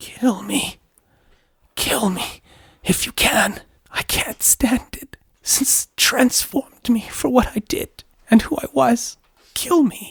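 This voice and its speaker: A put-on character voice, raspy and guttural at a fairly high pitch. It moves at a fairly slow pace with long, frequent pauses. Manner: despairing, begging.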